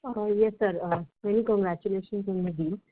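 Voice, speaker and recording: A woman's voice: mid-range voice, steady tone, a little fast. Hesitant woman on phone line. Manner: hesitant, many "uh"s. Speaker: analyst. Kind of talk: earnings call question. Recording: distant tinny phone line.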